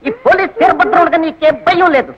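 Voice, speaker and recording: An actor playing a chatty village police constable who banters and teases in a rustic dialect, on an old film soundtrack. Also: male voice, very high voice, fairly quick, lo-fi sound, crowd noise. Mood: teasing. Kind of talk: comic film acting.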